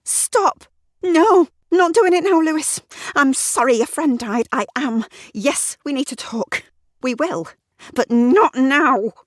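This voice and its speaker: Tense, exasperated wife, pitched high and clipped, voiced by a woman reader, dry close sound. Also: expressive, takes it slowly, no echo. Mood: strained. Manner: sharp, exasperated, high-strung.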